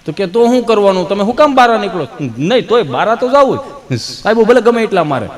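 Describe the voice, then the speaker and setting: A man telling folk comedy stories on stage, acting out the dialogue with sudden jumps in voice. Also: quick pace. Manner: animated storyteller, acts out dialogue with sudden pitch jumps. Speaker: stand-up comedian. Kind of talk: Gujarati folk comedy storytelling. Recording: stage mic with long hall reverb.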